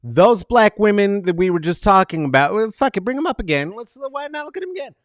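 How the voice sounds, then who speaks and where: A man hosting a casual comedic monologue, rambling and profane, animated and full of fillers. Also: high voice, a little fast, no echo, studio quality. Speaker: podcast host.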